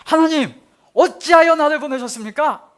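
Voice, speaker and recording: Pastor guy putting on a fed-up prophet, whiny and high, complaining loud. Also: big pitch swings, moderate pace, full character voice. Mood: whining. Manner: whiny, indignant protest. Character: exasperated male prophet complaining to God.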